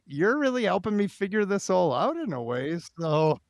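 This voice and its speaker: Lively, higher-voiced male podcast host. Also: moderate pace, no room sound, studio quality. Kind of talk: casual podcast interview hosting.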